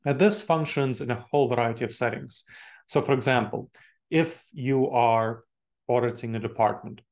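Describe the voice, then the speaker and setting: A man in his forties speaks with an Eastern European accent, in a chatty, engaged way, and laughs easily. His voice has a plain, mid-range pitch. He is on a video call from a home office, using earbuds as his mic. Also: normal speed, a little mellow. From Moldova. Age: 40s. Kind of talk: online presentation to professionals. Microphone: webcam video call with earbuds.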